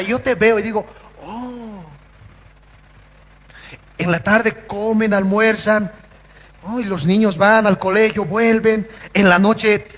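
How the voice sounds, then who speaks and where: A pastor preaching a sermon, asking the congregation questions and acting out little scenes in different voices. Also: male voice, high-pitched, bright, forceful tone. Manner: acts out scenes in varied voices. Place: church. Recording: church hall reverb.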